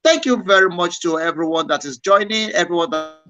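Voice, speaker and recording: A man's voice: high-pitched, brisk, bright, forceful tone. A man hosting a live radio interview in South African English, effusive and repeating his words. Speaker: radio host.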